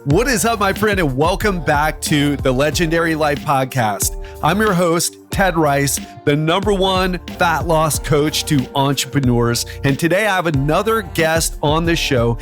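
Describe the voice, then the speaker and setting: A man with a fairly high voice hosts a podcast, and his upbeat, eager introduction carries over faint background music. He talks like someone who is glad to be on the mic. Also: measured pace, few pauses, a bit bright. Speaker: podcast host. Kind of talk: podcast interview.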